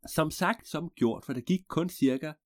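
A man telling an improvised story in a rambling, digressive way with deadpan asides. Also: on the high side, no echo, clean studio sound.

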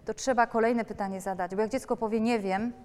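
A woman with a fairly high voice gives a talk to an audience of parents in the manner of a counselor. She turns straight to her listeners, often checking in with quick tag questions. Her voice rings out with a long reverb from the hall. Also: fairly even intonation, darkish tone. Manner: addresses listeners directly, frequent tag questions.

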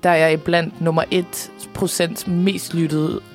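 A young woman from Denmark telling a story excitedly in casual chat, swearing and laughing often. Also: on the low side, faint music behind. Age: young adult.

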